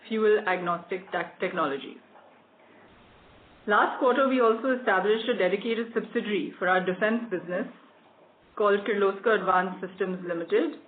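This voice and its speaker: An executive reads a scripted earnings presentation in a formal, measured corporate way. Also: medium pitch. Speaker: company executive presenting quarterly results. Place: conference call. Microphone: phone or conference call line. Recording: phone-like conference line with clear noise.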